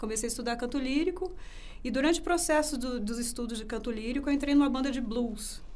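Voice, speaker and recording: This woman speaks at a very fast pace with a high pitch and ordinary pitch variation. Room echo is audible. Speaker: singer. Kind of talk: interview.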